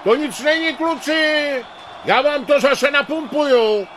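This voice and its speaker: A man's voice: fairly high pitch, animated, bright, forceful tone, a faint crowd, a little hiss or hum. A man voicing a boisterous old father of a football team, bellowing and gloating in a storybook reading. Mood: hearty.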